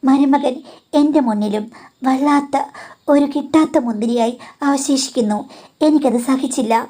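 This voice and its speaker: A woman narrates a first-person confessional story, confiding and direct, as if speaking to a counselor. Her voice is mellow and warm, and it sits a little high. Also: normal speed. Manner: confiding, addresses a listener as madam.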